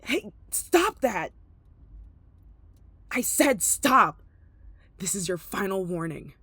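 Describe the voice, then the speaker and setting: A woman's voice: medium pitch, very animated, takes it slowly, bright, forceful tone, breathy edge, dry recording, exaggerated voice. A woman playing a tall, possessive, lovesick kidnapper in an intimate ASMR roleplay, cooing and coaxing with sweet menace, sighs and giggles. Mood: angry warning.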